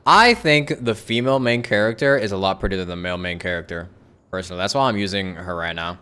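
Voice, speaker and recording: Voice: low voice, fast talker, sharp tone, a little hiss or hum. A streamer giving casual live commentary on a game, musing aloud and reading bits of dialogue. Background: faint game music.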